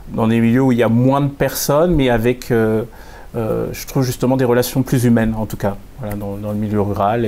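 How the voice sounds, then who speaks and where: Low-voiced man telling his story, halting. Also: darkish tone. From France. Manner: halting, repeats words, many fillers. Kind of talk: personal testimony in an interview.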